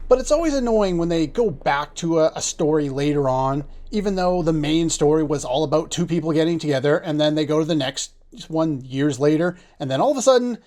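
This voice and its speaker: A woman's voice: sits low, lively intonation, a little fast, few pauses. A woman hosting a let's play, giving casual, opinionated and sarcastic reaction commentary. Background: loud game soundtrack music.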